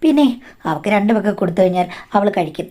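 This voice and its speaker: A woman voicing a calm adult son-in-law who talks gently and reassuringly. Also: mid-range voice, fast talker.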